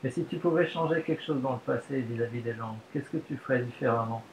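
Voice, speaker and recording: A man interviewing a mother in a casual chat, encouraging her with brief remarks. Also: quick pace. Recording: echoey room with faint rumble.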